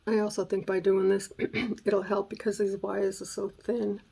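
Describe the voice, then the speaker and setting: Raspy-voiced woman chatting through a craft project. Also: medium pitch, level tone, measured pace, dark tone. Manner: chatty, thinking aloud while working, drops to whispers. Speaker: craft channel host. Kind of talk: casual craft tutorial chat. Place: home craft room on a gray day. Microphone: camera mic, moves close and away while working.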